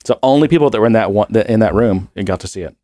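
A man's voice: fairly low pitch, rapid-fire, mellow, dry recording, clean studio sound. A man co-hosting a podcast in casual chat, rambling and laughing often while he has a cold and cough. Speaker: podcast co-host.

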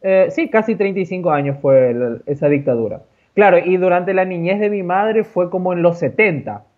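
Man, Guarani speaker, high voice, loose and rambling with restarts, tinny phone-line sound. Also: normal speed. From Paraguay. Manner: relaxed, repetitive, many fillers and restarts. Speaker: interviewee. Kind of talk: casual interview answers. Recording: tinny phone-like call audio.

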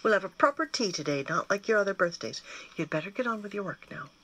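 A woman's voice: medium pitch, expressive, fast, a bit bright, rough recording. A woman doing a weary, firm mother. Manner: tired, firm. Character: weary, worried mother, firm but kind.

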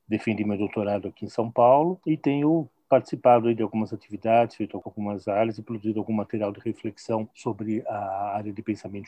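A man speaks as a podcast guest, circling back and restarting often. He talks rapidly in a low voice. The sound is dry and dull, lo-fi. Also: dark tone, dry recording. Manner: rambling, frequent restarts and tag questions. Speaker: physician and scholar guest. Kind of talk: podcast conversation.

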